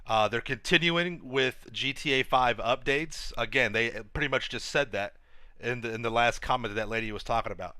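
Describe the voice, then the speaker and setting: A man hosting a livestream, giving casual, halting, informal commentary with some swearing. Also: mid-range voice, bright, forceful tone, dry recording. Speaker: livestream host.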